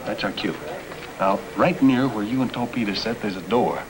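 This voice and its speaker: A man's voice: on the low side, moderate pace, close to an everyday voice. A male actor playing a tough, scheming convict who talks in prison inmate slang, in 1950s screen drama style. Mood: conspiratorial, urgent. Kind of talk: 1950s black-and-white screen drama acting. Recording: noisy old film soundtrack.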